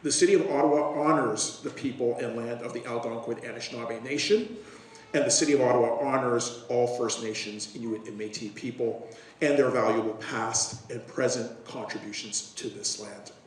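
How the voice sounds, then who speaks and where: A man's voice: medium pitch, fairly even intonation, moderate pace, a little hiss or hum. A man, a city councillor, giving formal remarks at a ceremony, his voice strained from a recent illness and hesitant with fillers. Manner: hesitant with many fillers when speaking off the cuff. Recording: roomy hall, distant microphone, faint ambience.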